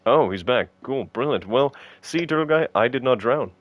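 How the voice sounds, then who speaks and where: A man's voice: medium pitch, expressive, moderate pace, dry recording. A man co-hosting a casual podcast, joking and teasing, with exasperated rants. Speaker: podcast co-host.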